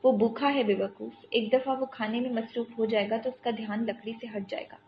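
A woman voicing a calm, commanding young male army captain who steadily coaxes a frightened child, on dull lo-fi audio. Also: on the high side, a little hiss or hum, natural voice. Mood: urgent. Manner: steady, coaxing, talks a frightened child through danger.

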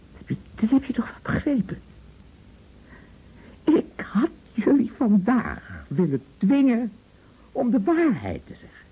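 An actor playing an anguished bedridden husband in a Dutch radio play, brooding and halting, often repeating his words and dropping to whispers. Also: high voice, warm tone, breathy edge, exaggerated voice. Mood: bitter, anguished. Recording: dull, noisy old radio recording.

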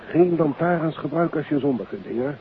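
A Dutch actor playing a brisk, commanding police inspector in a 1950s radio play. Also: male voice, on the high side, animated, natural voice. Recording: tinny, hissy 1950s radio recording.

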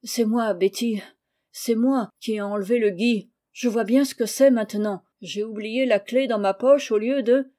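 Woman voicing a proud, impulsive young gentleman. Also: mid-range voice, fairly even intonation, normal speed, close to an everyday voice. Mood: hesitant. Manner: earnest, formal, emphatic speech. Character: proud, hot-tempered but repentant young gentleman farmer.

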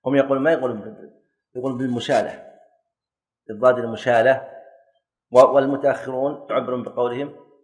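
A man's voice: medium pitch, steady tone, fast, long pauses. A man teaching a classroom lesson, quizzing and correcting students and joking lightly. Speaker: teacher of Islamic jurisprudence.

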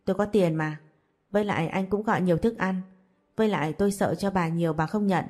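A warm-hearted young woman, read by a woman narrator. She speaks gently and coaxingly in a low, mellow voice. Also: fast talker, lightly acted. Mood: caring. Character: kind, caring young woman.

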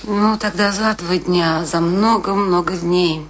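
An actress playing a middle-aged, resigned and bitter long-married wife, speaking curtly in a Russian radio play. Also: female voice, fairly low pitch, fairly even intonation, slow pace, a little hiss or hum. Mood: weary. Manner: resigned, curt, weary. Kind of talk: Russian radio play acting, dramatic dialogue.

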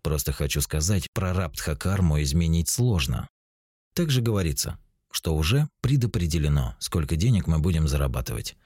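A man in his forties calmly explaining spiritual ideas, speaking straight to the listener as narrator of a self-help book. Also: a bass voice, normal speed, slightly rough, no room sound, studio quality. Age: 40s. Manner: calm, explanatory, addresses the listener directly.

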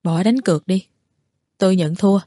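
A woman's voice: medium pitch, normal speed, mellow, no room sound, clean studio sound, natural voice. Woman voicing a curt, proud male professor. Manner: curt, clipped replies.

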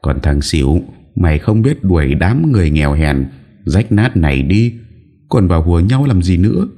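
A man's voice: low voice, big pitch swings, moderate pace, mellow, pitched above the performer's own voice. A man doing a scornful, haughty young woman. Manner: scornful, curt.

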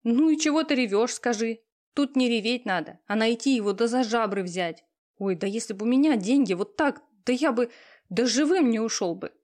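A woman voicing a pushy, talkative young female friend who teases and lectures loudly. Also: on the high side, normal speed, voice pushed up, close to an everyday voice. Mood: bossy. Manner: loud, teasing, talkative.

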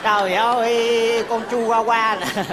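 A woman playing a brash, sharp-tongued market woman. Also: fairly high pitch, flat delivery, long reverb tail. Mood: brash ranting. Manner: brash, fast-talking insults. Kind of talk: stage comedy sketch. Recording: live stage with crowd noise.

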